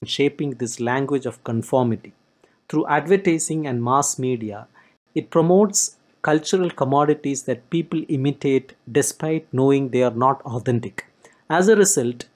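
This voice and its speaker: A narrator reading a lecture-style summary of a theory text aloud, steady, with frequent restarts and repeated words. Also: mid-range voice.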